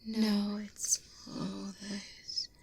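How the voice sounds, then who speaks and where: In a formal, whispered ASMR roleplay recorded close on a binaural mic with clear background noise, a woman plays a courteous yet quietly menacing vampire who is protective and world-weary. Her medium-pitched, monotone voice sounds grave and wounded. She speaks in a hushed, deliberate, measured diplomatic manner.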